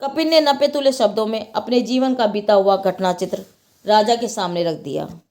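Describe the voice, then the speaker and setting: A woman narrating a scripted moral religious tale in an expressive, dramatic storytelling manner. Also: medium pitch, moderate pace.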